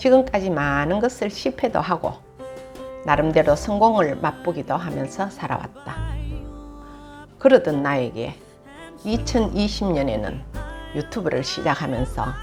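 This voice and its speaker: Over music in the background, a woman speaks at a fairly slow pace with long, frequent pauses. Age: 70s. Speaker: real estate agent assistant. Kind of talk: reflective personal narration.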